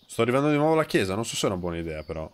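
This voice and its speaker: Racing along in a very animated, mid-range voice, a nasal, stuffed-up man in his thirties chats bluntly while streaming a video game live. He teases and swears casually as he plays.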